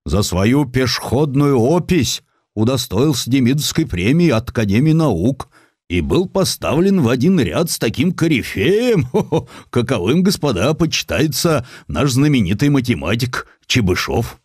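A man narrating historical essays from a script in an expressive storytelling way, with ironic, conversational asides. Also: medium pitch, unhurried, husky, no room sound, clean studio sound. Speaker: audiobook narrator. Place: studio.

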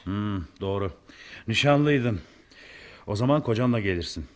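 A man acting a calm, kindly, solitary mentor with measured, philosophical delivery in old-style radio theatre. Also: fairly low pitch, close to an everyday voice.

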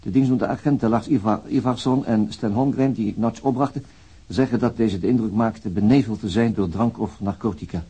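Very husky, dry official. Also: male voice, on the low side, fairly quick, warm tone. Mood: dry, dismissive. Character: dry male official reading dismissive police service notes. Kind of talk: dramatized reading of official notes.

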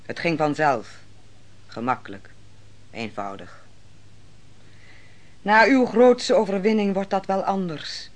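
A stately, expressive female judge. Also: on the low side. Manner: stately, formal, deliberate. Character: authoritative female judge and leader, composed and probing. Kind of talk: Dutch radio play acting.

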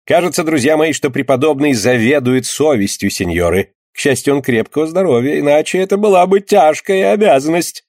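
A man's voice: fairly high pitch, lively intonation, fairly quick, hardly any pauses, a little mellow, no echo, studio quality, voice pushed up. A man doing a sly, mocking town barber. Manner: mocking, sing-song taunts. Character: sly gossiping male barber, mocking then frightened.

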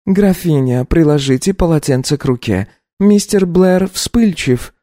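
A man voicing a young female servant who speaks in a polite, measured way. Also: a little high, lively intonation, warm tone, dry recording, studio quality, pitched above the performer's own voice. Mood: gentle.

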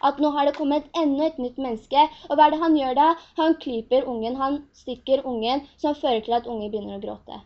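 A woman's voice: sits high, fairly even intonation, few pauses. A woman teaching a Quran class, earnest, often asking her students questions. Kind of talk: religious lesson in Norwegian. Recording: dull lo-fi recording.

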